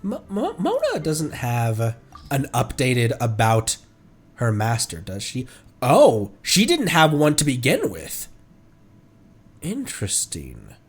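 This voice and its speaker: A man gives casual livestream commentary on a game. He talks slowly and muses aloud, with a giggly manner and lively shifts in pitch. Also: slightly rough. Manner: giggly, musing aloud, unhurried. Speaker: streamer reacting to a game.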